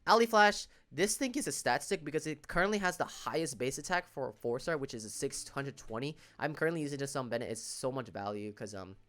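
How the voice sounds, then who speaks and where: A man's voice: medium pitch, lively intonation, a little fast, hardly any pauses, a bit bright. A man giving casual, emphatic gaming commentary as a video creator, often repeating words for stress. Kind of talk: casual reaction commentary on game banners.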